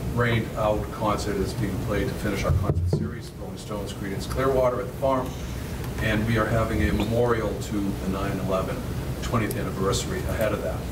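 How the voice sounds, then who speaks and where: Against loud background noise, a man talks at a fairly quick pace with ordinary pitch variation. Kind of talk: public comment at meeting. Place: meeting room. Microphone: podium.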